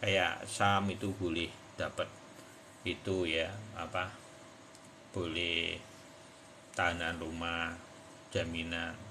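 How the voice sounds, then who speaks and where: Amid noticeable background noise and audible room echo, a man with an East Javanese accent speaks at a very slow pace in a very deep, low pitch with monotone, flat intonation and long, frequent pauses. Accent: Javanese with some Surabaya medok from mother. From Indonesia, Semarang (Central Java). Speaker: crypto trading educator. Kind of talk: live-stream tutorial. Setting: live TikTok stream. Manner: casual, chatty.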